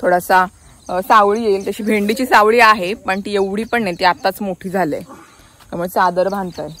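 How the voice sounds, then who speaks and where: Bright-voiced chatty woman vlogging outdoors. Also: mid-range voice, fairly even intonation, moderate pace. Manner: chatty, calling out to family, laughing often. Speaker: village life vlogger. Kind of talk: casual vlog narration. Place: outdoors on a village farm.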